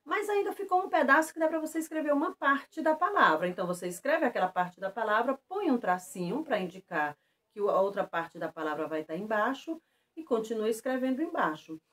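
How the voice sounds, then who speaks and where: A Brazilian woman teacher giving a lesson to schoolchildren, stressing example words slowly and clearly. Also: fairly high pitch. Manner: lively, slow and emphatic on example words. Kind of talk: remote lesson for children.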